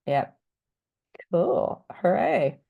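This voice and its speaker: Husky, croaky woman leading a workshop. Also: on the low side, very animated, drawn-out words, narrow, tinny audio. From New Zealand. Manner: chatty, self-deprecating, many fillers. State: croaky, recovering from illness. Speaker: workshop presenter. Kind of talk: casual online workshop talk. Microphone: video call.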